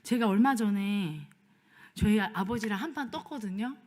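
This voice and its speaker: A woman pastor preaching a sermon with strong feeling, moving between a raised voice and a hushed whisper. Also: mid-range voice, moderate pace. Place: church sanctuary. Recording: long church-hall reverb.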